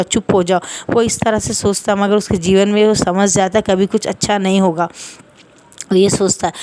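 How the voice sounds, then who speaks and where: A woman's voice: mid-range voice, a little mellow, slight background noise. A woman narrating a fan fiction story in a casual, conversational retelling.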